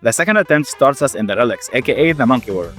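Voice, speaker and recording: A young man who stutters often, narrating and reacting loudly to a game he is playing, casual and swearing. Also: mid-range voice, lively intonation, fast, soft background music. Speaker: gaming YouTuber. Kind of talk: game commentary with voice-over narration.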